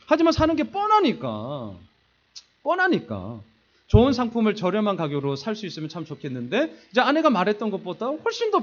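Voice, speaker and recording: Animated man telling a sermon story. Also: high voice, highs cut off. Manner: animated storytelling, acting out quoted voices; self-deprecating humor. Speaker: pastor. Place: church sanctuary.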